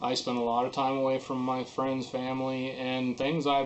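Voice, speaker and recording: A man mumbles at a moderate pace. His voice sits at a medium pitch. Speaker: hobbyist DIY YouTuber. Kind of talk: casual direct-to-camera talk. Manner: mumbling.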